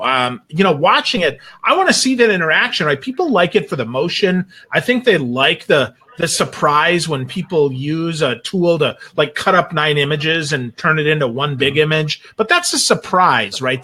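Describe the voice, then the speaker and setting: A man's voice: a little high, pushed and bright, slightly rough. A man giving blunt, emphatic opinions as a guest in a casual panel chat, often checking in with rhetorical questions. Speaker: guest panelist, sales trainer and marketer.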